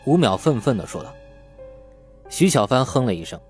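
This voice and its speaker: A man's voice: medium pitch, big pitch swings, normal speed, darkish tone, breathy edge, faint music behind. A man narrating a novel in a scripted audiobook style.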